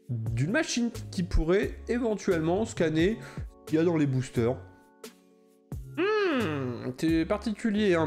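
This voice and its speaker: A man's voice: fairly high pitch, darkish tone. A man chatting casually while opening trading card packs, rambling with many fillers and repeated phrases. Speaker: Pokémon card opener. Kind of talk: casual pack-opening chat.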